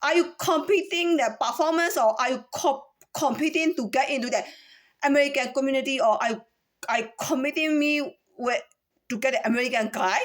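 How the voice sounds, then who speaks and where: With a high, brisk voice, a vlogger from Myanmar delivers a casual, meandering talk to camera, full of restarts and rhetorical questions.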